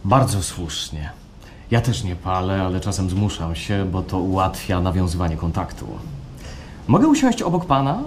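An actor playing a coaxing, insinuating psychologist in a radio play performed live, swinging from soft to excited. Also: male voice, sits low, moderate pace. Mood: smooth, polite. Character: smooth, probing male psychologist, theatrical and coaxing. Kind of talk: radio play acting before a live audience. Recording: live stage recording with background noise.

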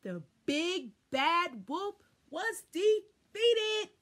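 A woman in her thirties reads a children's story aloud. Her voice is high and swings widely in pitch, and she goes very slowly, with dramatic pauses and emphasis. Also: very animated, fairly bright tone. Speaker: storybook reader. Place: small furnished room at home, indoors.

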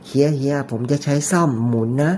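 A man narrating an ear-cleaning demonstration, talking in a deliberately raised, soft, falsetto-like voice with chatty, joking asides. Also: slight background noise.

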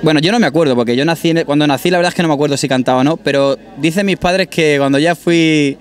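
A man's voice: fairly high pitch, fast. A young man from Málaga, chatting modestly with a few restarts while being interviewed outdoors on a restaurant terrace with a handheld mic. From Málaga, Spain. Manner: friendly, modest, many restarts. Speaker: singer interviewed. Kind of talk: casual interview chat. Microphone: handheld mic held by interviewer.

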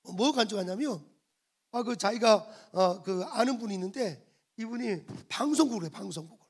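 A man's voice: high-pitched, lively intonation, moderate pace, slightly rough. A male pastor preaching a sermon, emphatic and repetitive as he prods the congregation for answers and amens. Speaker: senior pastor. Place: church sanctuary.

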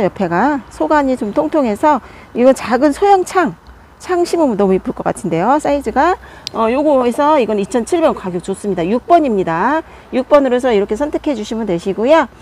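A woman's voice: fairly high pitch, slight background noise. Chatty woman showing off plant pots. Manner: chatty, friendly sales talk, often laughing softly. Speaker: online seller showing succulent pots. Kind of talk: live product demonstration.

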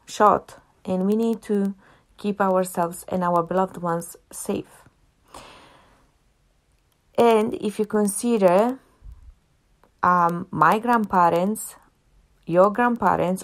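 Female podcast host with an Italian accent, slightly low voice, earnest and repetitive, casual solo delivery. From half Italian, family in Italy. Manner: earnest, repeats phrases for emphasis, some filler words.

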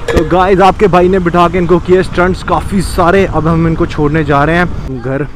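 A man motovlogging outdoors by a road, talking excitedly to camera and laughing often. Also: on the high side, moderate pace, noisy background. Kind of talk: casual outdoor vlog talk to camera.

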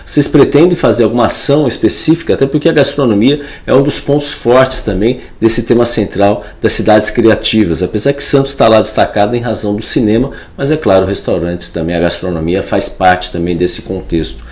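Middle-aged man, low voice, radio co-host, measured, studio mic. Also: a little mellow. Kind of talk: studio interview. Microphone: studio microphone.

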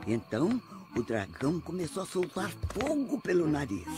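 A woman's voice: lowish voice, moderate pace. A woman voicing a kindly old cartoon grandmother, telling bedtime stories expressively. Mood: gentle. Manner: expressive storytelling. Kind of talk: animated children's cartoon acting. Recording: music under the voice.

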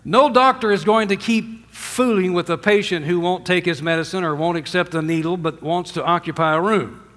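An older man preaching a sermon from a church stage, emphatic, calling out for amens and dropping to hushed endings. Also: moderate pace. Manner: emphatic, swinging from loud highs to low hushed endings; asks the congregation for amens. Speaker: pastor. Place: large church sanctuary with stage and drum kit. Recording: long hall reverb.

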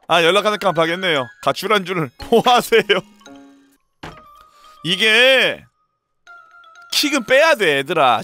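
A man streaming a dating game, reading its messages aloud and breaking into loud, profane rants. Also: a little high.

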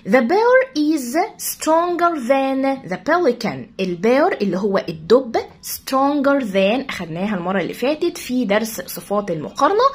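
Lively Egyptian woman teaching English. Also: a little high, breathy edge. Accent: Egyptian Arabic. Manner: quick explanations, slow English reading. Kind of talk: explaining a story for a children's class.

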